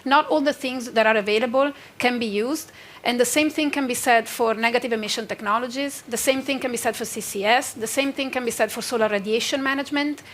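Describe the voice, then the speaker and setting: A woman's voice: a little high, fairly quick, a bit bright. A woman from Italy, speaking earnestly and emphatically as a panelist in a discussion. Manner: earnest, emphatic, repeats phrases for stress.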